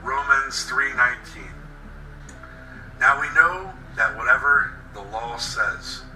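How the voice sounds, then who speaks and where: A man reading a scripted first-person horror story in a deliberate, intense, dramatic way. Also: on the low side, pushed and bright, distant mic. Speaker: writer reading his own horror story. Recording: roomy echo, off-mic, faint music bed. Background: faint music.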